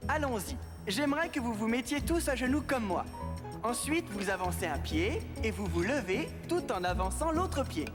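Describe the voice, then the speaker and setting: A patient male skating instructor played by a voice actor for a children's cartoon. His delivery swings animatedly in pitch as he encourages and explains, with music clearly behind him. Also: very animated, normal speed, lightly acted. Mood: instructive.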